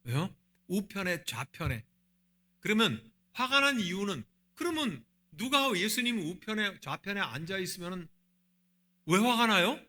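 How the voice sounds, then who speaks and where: Male pastor preaching a sermon, animated pitch, questions the congregation often. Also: moderate pace. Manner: asks the congregation rhetorical questions. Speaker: senior pastor.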